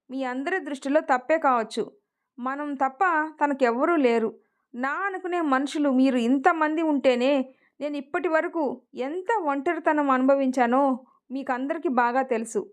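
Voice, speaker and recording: A woman's voice: high voice, lightly acted. A woman voicing a devoted, passionate young man in an emotional story reading, speaking earnestly.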